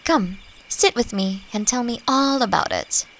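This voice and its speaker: A woman playing a friendly, playfully teasing elf who teaches magic, speaking gently and reflectively in a roleplay audio drama. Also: on the high side, a little slow, a little hiss or hum. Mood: eager, curious. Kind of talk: scripted roleplay audio drama addressed to the listener.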